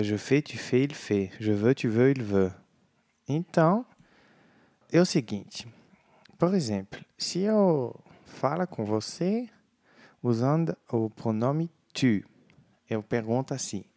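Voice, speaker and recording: A man with a Brazilian Portuguese accent, teaching a French lesson and slowly modeling each phrase clearly. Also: mid-range voice, lively intonation, dark tone. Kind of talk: language lesson.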